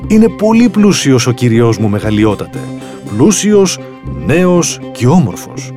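Man voicing a crafty booted cat for a storybook: animated, high and wheedling, over faint music. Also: close to an everyday voice. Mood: coaxing. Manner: pleading, eager, higher than his narration. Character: sly clever male cat in boots. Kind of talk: storybook reading.

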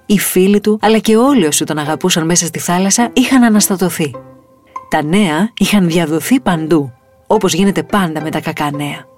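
A woman reads a children's picture book aloud in an expressive, lilting way. Her voice is fairly low for a woman, and soft music plays faintly underneath. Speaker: storyteller.

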